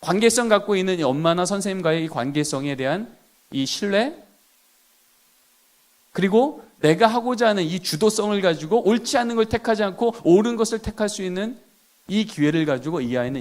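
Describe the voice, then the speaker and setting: A man's voice: sits high, animated, fairly quick. A man giving a church seminar for teachers and parents, asking the audience questions and answering them himself. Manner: acts out quoted lines of children and adults. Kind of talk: lively lecture with questions to the audience.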